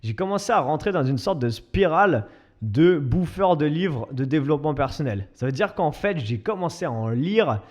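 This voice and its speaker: A young man with a slightly high voice talks through his solo podcast in a loose, chatty way. He restarts his sentences often and pokes fun at himself. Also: expressive, normal speed, darkish tone. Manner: chatty, self-mocking, many restarts and fillers. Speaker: podcast host and fitness coach. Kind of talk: casual solo podcast monologue.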